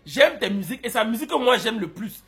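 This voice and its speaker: Guy ranting about stars on his vlog, high gravelly voice, bright, keeps shouting. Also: fast talker. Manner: excitable, mock-adoring, bursts into shouts and laughter. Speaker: YouTuber. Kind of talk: comic commentary vlog.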